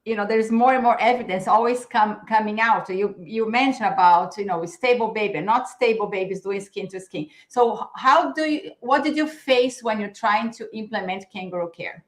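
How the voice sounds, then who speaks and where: A woman's voice: medium pitch, moderate pace, few pauses, echoey room. A woman host asking thoughtful interview questions over a video call, sometimes searching for words.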